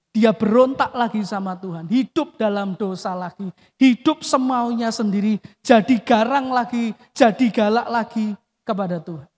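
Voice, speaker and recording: Emphatic male pastor in an echoing church. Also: very high-pitched. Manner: emphatic, repeatedly addressing the congregation, voice dropping at phrase ends. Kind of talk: sermon. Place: church hall. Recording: long reverb of a church hall.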